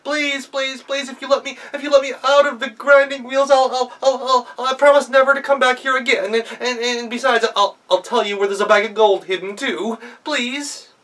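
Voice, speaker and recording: Man voicing a high, strained storybook goblin. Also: fairly even intonation, moderate pace, hardly any pauses, fairly bright tone, distant mic. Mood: desperate pleading. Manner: exclaiming and stammering in repeats. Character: menacing male goblin, turns frantic and pleading.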